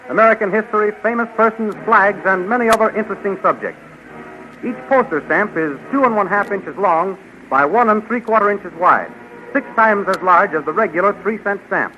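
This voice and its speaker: In a bright, promotional style, a man with a high voice announces and narrates a 1930s radio serial. The sound is dull, as from an old radio broadcast.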